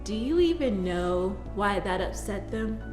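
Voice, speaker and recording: A woman playing a friendly, patient young woman who explains things to kids in a plain, mid-pitched voice. Her voice rings around a large hall with a long reverb, over faint music. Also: expressive, unhurried, a little mellow, lightly acted. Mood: explaining. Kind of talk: kids' church skit.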